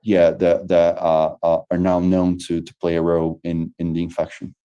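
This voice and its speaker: A man's voice: low-pitched, monotone, normal speed, mellow, clear, resonant tone, lo-fi sound. A man from Brazil with a Brazilian Portuguese accent, answering questions after an online lecture, hesitant with many fillers and restarts. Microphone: video call.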